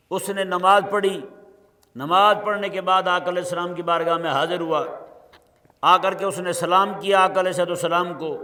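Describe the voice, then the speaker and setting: High bright-voiced preacher in an echoing hall. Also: male voice. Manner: recites Arabic hadith phrases, then explains them in Urdu; asks rhetorical questions and checks in with "hain ji". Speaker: mufti, Friday preacher. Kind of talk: Friday sermon. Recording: long echoing reverb of a large hall.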